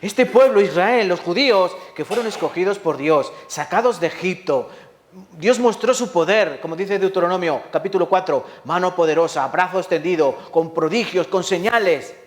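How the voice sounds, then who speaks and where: A man's voice: high voice, moderate pace. Dramatic Spanish-accented preacher man. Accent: Spain. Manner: dramatic storytelling with rhetorical questions and acted-out sounds. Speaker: pastor. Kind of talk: sermon. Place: church hall.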